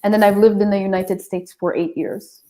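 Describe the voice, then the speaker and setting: A woman's voice: mid-range voice, fairly even intonation, moderate pace, dark tone. A woman from Uganda chatting in an upbeat, friendly way on a video call. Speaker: panel guest. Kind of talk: casual video call chat.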